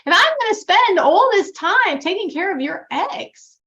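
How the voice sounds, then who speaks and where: A woman's voice: extremely high pitch, sing-song, fairly bright tone, voice pushed up, exaggerated voice. A woman voicing a worried, overworked chicken farmer who fires off anxious questions about getting by. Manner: fretful, rapid run of questions. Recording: dull lo-fi recording.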